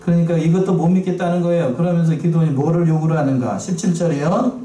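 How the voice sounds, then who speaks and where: A man's voice: a little high, quick pace, mellow. A male pastor preaching a sermon in a church, often putting questions to the congregation and repeating key phrases. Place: church sanctuary. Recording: roomy, distant, faint noise.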